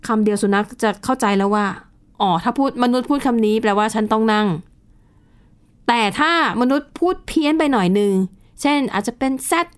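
A woman's voice: on the high side, brisk, clear, resonant tone. A woman co-hosting a casual news chat show, explaining with examples and adding polite particles. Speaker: radio news co-host.

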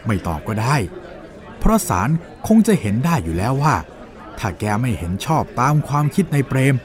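A man's voice: mid-range voice, wildly swooping pitch, moderate pace, music in the background, crowd noise. A man playing an insistent defence lawyer in a dramatised courtroom story, questioning in a pressing, pointed way. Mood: assured. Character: insistent male defence lawyer cross-examining a witness.

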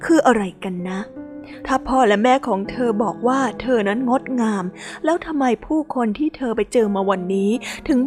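Woman reading a kids story out loud, high voice, soft music behind. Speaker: narrator. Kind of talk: scripted storybook narration.

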